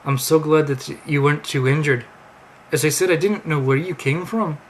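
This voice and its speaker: A man's voice: medium pitch, a little slow, slight background noise, close to an everyday voice. Kindly, hearty farmer in his sixties, played by a man, Amish, old-fashioned, fussing over guests, storybook style. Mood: warm, welcoming.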